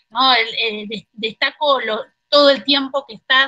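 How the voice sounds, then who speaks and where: Over a quiet background, a woman with a high pitch speaks in a raised, projected voice, bright and sharp in tone, with fairly even intonation. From Argentina. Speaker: university lecturer. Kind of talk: interview. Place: home room. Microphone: headset.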